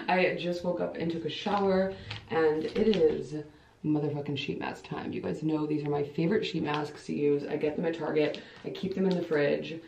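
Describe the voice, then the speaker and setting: A woman's voice: low-pitched, vocal fry, a little mellow, slight background noise. A woman in her late twenties from Ohio, talking casually to camera in a rambling, chatty vlog style, filling her sentences with "like". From Ohio, United States. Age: 20s. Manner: chatty and rambling, frequent filler "like". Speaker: vlogger. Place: small bathroom, indoors. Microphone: camera mic a few feet away. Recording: echoey bathroom, distant dull camera audio.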